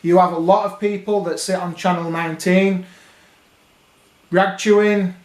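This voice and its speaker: A man's voice: high-pitched, steady tone, normal speed, a little mellow. A British man talking casually to viewers, explaining things as a radio hobby vlogger. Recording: roomy, echoing indoor sound.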